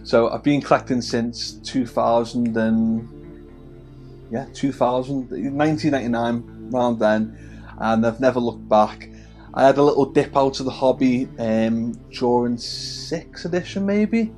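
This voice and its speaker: Over soft background music, a man with a mid-range, darkish voice speaks at a measured pace. He is a friendly Wirral-born hobby-channel host in his thirties chatting casually to camera, his accent touched with Scouse, and he uses lots of fillers and restarts.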